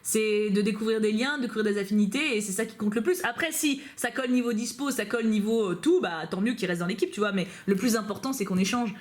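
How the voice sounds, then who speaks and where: Sitting on her couch at home with a dog nearby, a woman YouTuber reacts to fan mail while chatting to the camera. Her mid-range voice moves fast with few pauses, bubbly and casual, packed with fillers and asides.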